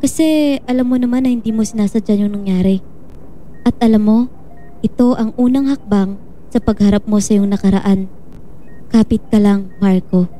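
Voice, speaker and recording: Actress as very mellow, soothing woman doctor. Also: medium pitch, moderate pace, pauses often, close to an everyday voice, rough recording. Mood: sympathetic. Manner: soothing, patient, supportive. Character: gentle, reassuring woman doctor guiding a patient. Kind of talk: Filipino audio drama acting.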